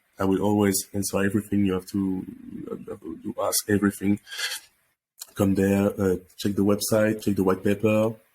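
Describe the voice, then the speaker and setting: In a French accent, a man speaks with a fairly low pitch. His tone is dark and mellow, and his pace is moderate. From France. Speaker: NFT project founder. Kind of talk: interview.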